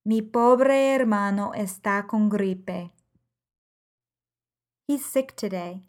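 A woman teaching a language podcast lesson at a slow, unhurried pace. Her voice sits at an ordinary middle pitch, and she reads each example sentence in clear, measured phrases.

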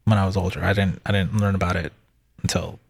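A man with a fairly low voice talks through an idea in a halting, thoughtful way, restarting his sentences often. The sound is dry and close, with no room around it. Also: flat delivery, gravelly, slightly rough, no echo. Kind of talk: casual chat about a show.

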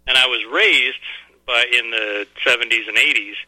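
A man's voice: mid-range voice, moderate pace, bright, forceful tone, dry recording, rough recording. A man in his forties calling in to a radio talk show, earnest and a little rambling. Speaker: caller. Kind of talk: phone-in call to a radio show.

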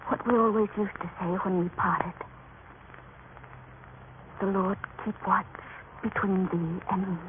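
A woman's voice: mid-range voice, steady tone, measured pace, pauses often, close to an everyday voice. Devoted, anxious wife, tender and pleading, female actor; vintage radio drama, narrow band, slight hiss. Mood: tender, concerned. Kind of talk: old-time radio drama acting. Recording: thin, noisy old radio recording.

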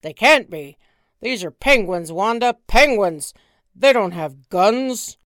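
A woman's voice: medium pitch, expressive, slow, fairly bright tone, dry recording, clean studio sound. A woman voicing a nervous, complaining middle-aged husband who wants to go home. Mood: fretful. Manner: whiny, complaining, reluctant.

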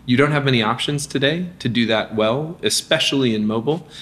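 A man who started a company is interviewed casually about business, speaking fairly quickly at a medium pitch. He comes across as energetic, with lots of restarts and filler words.

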